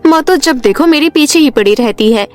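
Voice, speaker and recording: A woman voicing a lazy, whiny, careless young village sister in an animated story. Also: high voice, moderate pace, soft background music. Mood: scheming, grumbling.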